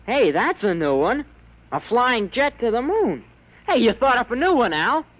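An exuberant schoolboy in a vintage radio play. The voice is brash and cheeky, swinging widely in pitch with slangy, mocking banter. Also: female voice, big pitch swings, moderate pace, low-quality recording. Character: brash, cheeky young teenage boy pal. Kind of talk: 1950s radio drama acting. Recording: vintage 1950s radio recording.

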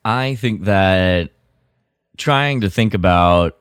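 A man co-hosting a podcast in casual chat, thinking aloud in loose, halting phrases. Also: deep voice, clear, resonant tone, dry recording, studio quality. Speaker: podcast co-host.

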